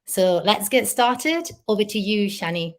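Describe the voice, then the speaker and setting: A woman hosting a conference session, reading a clear, orderly scripted introduction and announcements. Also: mid-range voice, expressive, unhurried. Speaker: session host.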